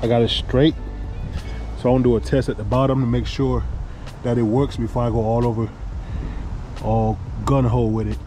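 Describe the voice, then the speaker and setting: A man's voice: medium pitch, level tone, normal speed, long pauses, music in the background. A man vlogging casually while he works outdoors, with a laid-back, colloquial way of thinking aloud. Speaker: pressure washing business owner and vlogger. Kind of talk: casual talk to camera while working. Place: outdoors beside a work truck. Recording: noisy outdoor recording with vehicle ambience.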